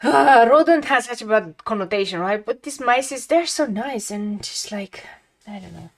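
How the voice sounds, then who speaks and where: A young woman with a calming voice chatting casually with viewers while she draws on a livestream. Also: fairly high pitch, measured pace. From lives near a big Dutch city. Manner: chatty, talks to chat viewers, laughs often. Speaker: art livestream host. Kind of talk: casual chat while drawing.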